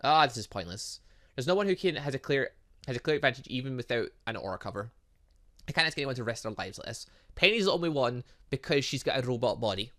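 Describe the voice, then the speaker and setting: A man's voice: mid-range voice, bright, forceful tone. A man reading visual novel dialogue aloud as a gaming host, breaking off into casual asides and exclamations.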